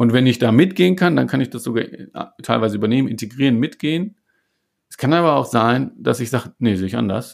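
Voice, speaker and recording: A very fast man's voice at medium pitch, with lively intonation and vocal fry, on a very clean recording with a silent background. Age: 40s. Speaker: organizational development consultant and trainer. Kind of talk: casual interview conversation.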